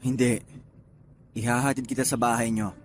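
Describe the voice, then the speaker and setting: A man playing a hurt, soft-hearted groom in an emotional radio romance drama. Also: mid-range voice, little pitch movement, moderate pace, a little hiss or hum, close to an everyday voice. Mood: subdued, reluctant. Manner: earnest, emotional.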